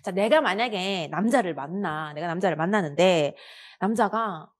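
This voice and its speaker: A woman's voice: on the low side, moderate pace. A woman in her thirties with a Busan accent, giving a casual lecture and telling personal stories, acting out the lines she quotes. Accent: Busan Gyeongsang. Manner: lively storytelling, acts out quoted lines.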